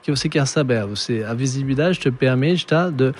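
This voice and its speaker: Man, halting. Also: medium pitch, breathy edge. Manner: halting, many fillers and restarts. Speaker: podcast guest. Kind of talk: casual podcast conversation.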